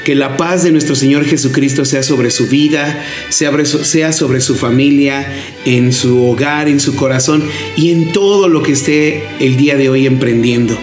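A man's voice: mid-range voice, normal speed. A man with a Mexican accent, hosting a Christian radio programme with devotional greetings and blessings. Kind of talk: devotional welcome to listeners. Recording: roomy echo. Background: faint music.

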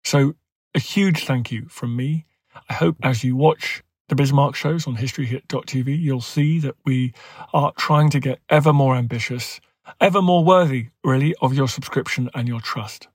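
A man's voice: mid-range voice, moderate pace, breathy edge, no room sound. A man in his forties with a dental lisp, hosting a podcast and interviewing a guest with earnest enthusiasm. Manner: earnest, grateful. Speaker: podcast host.

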